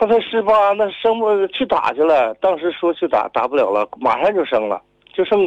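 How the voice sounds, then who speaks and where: At a moderate pace, a high-pitched man swings his pitch very widely while keeping his loudness very even. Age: 50s. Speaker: caller. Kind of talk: phone call-in confession. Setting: phone call. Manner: halting.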